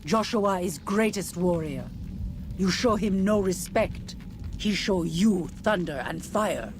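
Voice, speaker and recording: A woman playing a proud, menacing tribal warrior sentry in a video game, terse and stern in halting broken English. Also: mid-range voice, lightly acted. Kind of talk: video game character dialogue.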